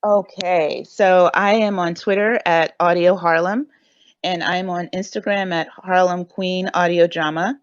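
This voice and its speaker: A woman with a fairly low voice takes part in an unscripted panel. She speaks reflectively and haltingly, often rephrasing as she searches for words. The recording is very dry and slightly dull. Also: steady tone, no echo. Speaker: audio drama creator, panelist.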